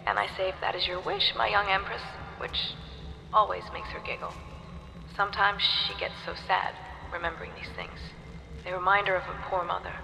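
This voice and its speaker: Creaky, tender, wistful governess. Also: female voice, mid-range voice, flat delivery, normal speed. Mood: fond, wistful. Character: tender, wistful governess caring for an orphaned girl. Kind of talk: video game monologue. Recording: long reverb, faint background noise.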